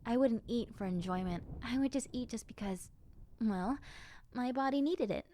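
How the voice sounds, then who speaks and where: A woman playing a gentle, chatty young zombie girl in a roleplay audio drama, musing conversationally to the listener. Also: on the high side, normal speed, a little hiss or hum, close to an everyday voice. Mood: chatty, reflective. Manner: soft-hearted, conversational, musing.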